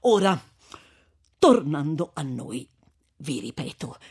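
A man's voice: a little high, very animated, gravelly, slightly rough, voice pushed down, heavily acted. A man voicing an elderly, timid country priest who hesitates and chuckles as he talks. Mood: relieved, chatty. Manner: chuckling, hesitant with drawn-out fillers. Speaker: parish priest.

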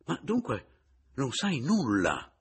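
A man voicing an excitable middle-aged friend who exclaims and stammers, in a husky voice. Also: medium pitch, slow pace, pitched above the performer's own voice, heavily acted. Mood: distressed.

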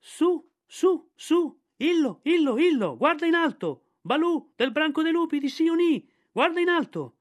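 A man voicing a male kite bird who calls down loudly with an urgent message. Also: extremely high pitch, sing-song, a little slow, few pauses, no echo, clean studio sound, voice pushed up, exaggerated voice. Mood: calling. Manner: calling loudly from above.

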